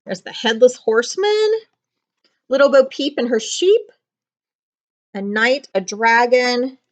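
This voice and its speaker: A middle-aged woman reading a children's picture book aloud with expressive, dramatic storytelling and chatty asides. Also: a little high, slow, highs cut off. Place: living room couch, indoors.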